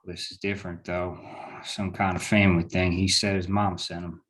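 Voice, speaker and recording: A man's voice: sits low, little pitch movement, normal speed, fairly bright tone. A man playing a blunt, profane small-town lawman with a colloquial way of talking in a drama table read. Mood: wary.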